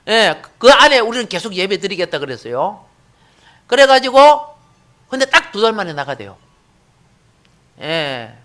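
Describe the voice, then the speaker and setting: An older male pastor delivering a sermon, animated and constantly drawing the congregation in with call-and-response prompts. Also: extremely high pitch.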